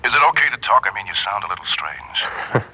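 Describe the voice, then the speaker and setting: An urgent spy contact speaking over a telephone filter in a vintage radio play. His voice is husky and sharply tense, and he keeps it hushed. The recording is a dull old broadcast. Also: on the low side, sing-song, brisk, heavily acted. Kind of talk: 1960s radio drama acting.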